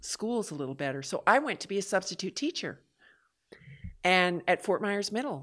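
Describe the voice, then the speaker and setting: A woman speaks with a western Canadian accent on a very clean recording with a silent background. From Canada, Vancouver Island, British Columbia. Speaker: reading coach and former Olympic sprinter. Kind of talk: interview.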